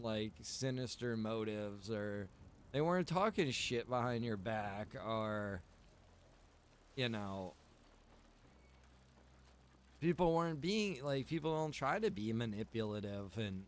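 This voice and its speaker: Slow and lively in intonation, a medium-pitched man chats on a gaming livestream with a little hiss or hum in the audio. An adult past his early twenties who streams games and owns a server, he rambles loosely and keeps circling back over what he's said.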